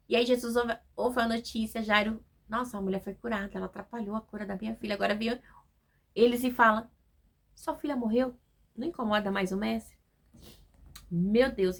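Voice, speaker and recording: A woman's voice: medium pitch, fairly bright tone. A woman with a Brazilian Portuguese accent giving a casual devotional Bible study, reading scripture aloud and checking in with her listeners in a conversational way. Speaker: Bible teacher.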